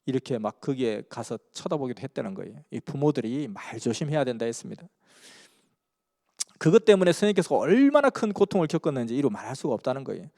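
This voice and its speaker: A man's voice: mid-range voice, very animated, fast, creaky, mellow. A man from Busan, earnestly telling a story in a sermon. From Busan, South Korea. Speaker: preacher. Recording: long hall reverb.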